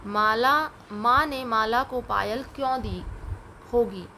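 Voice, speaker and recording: A woman teacher takes a class of young children through their lesson, her voice a little high. She dictates each answer at a very slow, careful pace. Faint noise sits behind her voice. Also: sharp tone, low-quality recording.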